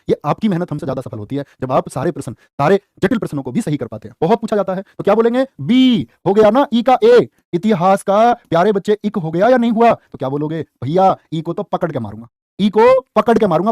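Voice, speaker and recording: A man teaching an online exam-prep lesson, energetic and playful, often calling his students "dear children". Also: high voice, no room sound, studio quality.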